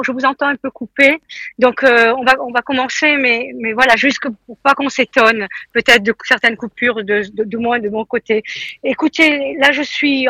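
A woman speaks over a phone line that keeps breaking up, her voice dulled and a little husky. She talks haltingly, often repeating words. She has just left a funeral and is giving a live news interview. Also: fairly high pitch, a bit bright, dry recording. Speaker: peace activist, interview guest. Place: at a funeral just after the ceremony.

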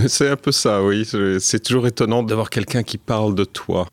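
A man being interviewed as a guest, speaking in a halting, hesitant way with many restarts, and sounding a little tired. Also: fairly low pitch, dry recording, clean studio sound. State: a bit tired. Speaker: NGO co-founder, guest. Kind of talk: interview conversation.

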